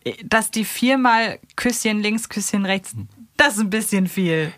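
Female podcast co-host, medium pitch, frank and conversational, dry studio-like sound without echo. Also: unhurried, a bit bright. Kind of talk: casual chat reviewing an audio drama.

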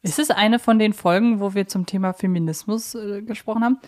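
A woman's voice: mid-range voice, fairly quick, darkish tone. Female podcast co-host, middle register, informal conversational quiz delivery. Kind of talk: casual quiz chat about audio dramas.

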